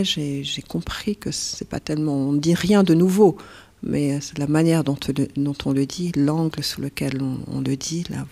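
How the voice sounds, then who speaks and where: A woman from Burundi with a Burundian French accent, whose first language is Kirundi, speaking as a poet in a reflective interview, pausing often with fillers and restarts. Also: deep voice, vocal fry, a little mellow, slightly rough. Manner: hesitant, many fillers and restarts. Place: stage at a poetry house.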